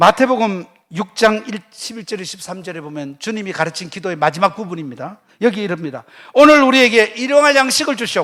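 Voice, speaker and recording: A man's high, bright, sharp voice at a fairly quick pace, with very wide pitch swings and big swings in loudness. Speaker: revival preacher. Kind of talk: sermon.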